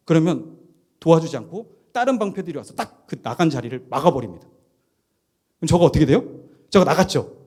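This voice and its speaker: A middle-aged man, a pastor, preaching by telling a personal story with lively, chuckling delivery. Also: a little high, slightly rough.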